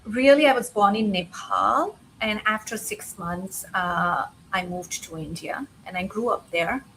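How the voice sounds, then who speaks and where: Woman interpreting for an interview guest, slow with lots of uh pauses, faint hum behind. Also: mid-range voice, a bit bright, rough recording. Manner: unhurried, pausing with uh between phrases. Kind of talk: voicing a signed interview answer.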